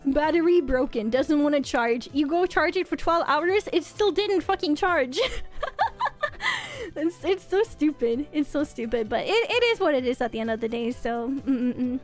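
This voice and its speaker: A woman's voice: sits high, animated, moderate pace, faint music behind. A young woman from Norway, chatting casually with her stream viewers and often restarting and repeating her words.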